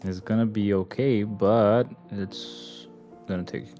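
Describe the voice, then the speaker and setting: A man's voice: fairly low pitch, fairly even intonation, takes it slowly, dark tone, soft background music. A man streaming a game, chatting casually and muttering and swearing at what happens on screen. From Albania. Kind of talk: casual gameplay chat.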